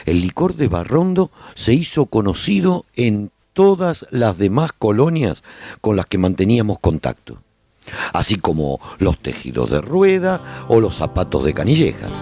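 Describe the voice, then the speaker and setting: Survivor narrator for a radio serial: low, creaky voice, measured storytelling, very close dry sound. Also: male voice, sing-song, dark tone, no echo, full character voice. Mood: reflective storytelling. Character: male survivor chronicling life in a post-apocalyptic colony. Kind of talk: scripted first-person narration, radio drama.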